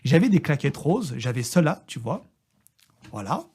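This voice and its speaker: A man's voice: on the high side, moderate pace, breathy edge. A young man from France telling a crude, slangy comic story about a trip, full of swearing and laughing asides. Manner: slangy, vulgar, animated, often laughing. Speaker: vlogger.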